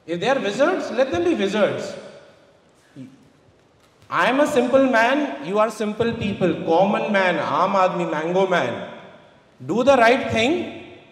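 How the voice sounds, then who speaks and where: A man's voice: high voice, sing-song, measured pace, long pauses. A middle-aged man giving an emphatic motivational finance presentation in short repeated phrases and rhetorical questions. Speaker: investment speaker. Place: large auditorium stage. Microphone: handheld microphone through hall sound. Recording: echoey large hall, long reverb.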